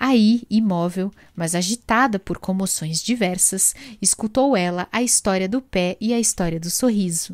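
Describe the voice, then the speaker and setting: An ordinary speaking voice comes from a woman at a medium pitch, talking fairly slowly with ordinary pitch variation. The sound is dry and close, with no echo, on a very clean recording with a silent background. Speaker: literary podcaster narrating and commenting on a classic novel. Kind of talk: literary audiobook reading of a 19th-century Brazilian romance, chapter read aloud. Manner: measured, clear storytelling delivery of formal period prose; chatty, conversational asides addressing listeners between readings.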